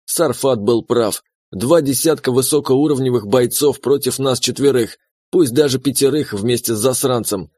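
A man narrating a fantasy game novel in the first person at a measured, steady pace. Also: mid-range voice, no room sound, clean studio sound. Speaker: audiobook narrator.

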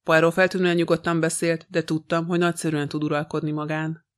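A man reading a novel aloud in the first person, in an even, measured way. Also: a little high, clear, resonant tone. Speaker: audiobook reader.

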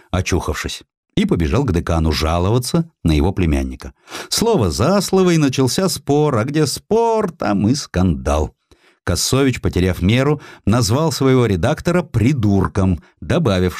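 Expressive, animated male audiobook narrator, low-pitched. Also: dry recording, clean studio sound. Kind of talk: expressive scripted narration of a historical story.

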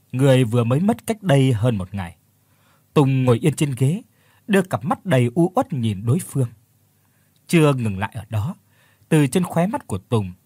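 A man narrating a horror story as a scripted audiobook, in an expressive storytelling manner. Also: mid-range voice, slightly rough, dry recording.

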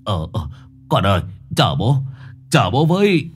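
A man's voice: fairly low pitch, very animated, unhurried, husky, full character voice. A man playing a grieving old father who stammers, choked with tears. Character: grieving old father stammering after his dead son.

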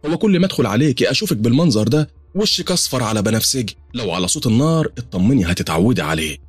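A fussy, motherly old Egyptian maid , put on by a male narrator, chattering in a high, husky voice. She boasts and brushes off questions at a brisk pace. The voice comes across close and dry. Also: very animated, no room sound, faint music behind. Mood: teasing. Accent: Egyptian Arabic. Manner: fussy, boastful, fast-talking.

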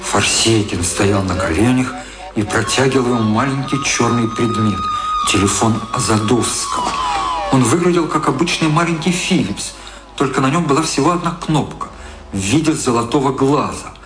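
A man's voice: medium pitch, lively intonation, moderate pace. A man narrating a radio drama from a literary script. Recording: roomy echo with prominent music.

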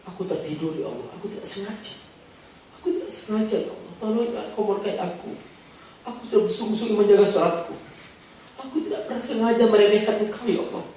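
A man's voice: high-pitched, expressive, fast, darkish tone, a little hiss or hum, voice pushed up. A male preacher voicing an older man who weeps as he begs God for forgiveness. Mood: pleading. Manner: pleading, tearful prayer. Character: older man weeping, begging God's forgiveness. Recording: echoey hall from far off.

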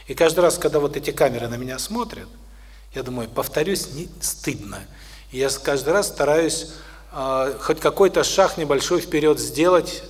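A middle-aged man giving a spoken lecture to an audience, unhurried, with many pauses and restarts. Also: fairly high pitch.

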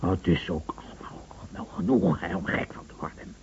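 An actor playing an anguished bedridden husband in a Dutch radio play, brooding and halting, often repeating his words and dropping to whispers. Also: sits low, flat delivery, a little mellow. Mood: despairing, brooding. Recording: dull, noisy old radio recording.

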